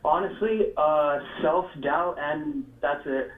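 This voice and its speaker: A man's voice: fairly high pitch, slow pace, echoey room. Young man on a tinny phone line. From Estonia. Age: around 20. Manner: hesitant, frequent fillers. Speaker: caller. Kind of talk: phone call to a talk show.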